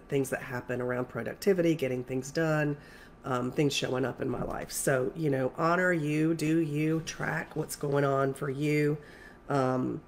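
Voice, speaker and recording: A woman's voice: sits low, a little mellow, a little hiss or hum. A woman spiritual coach who is congested, talking casually and rambling with many fillers and restarts. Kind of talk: casual spiritual talk to camera.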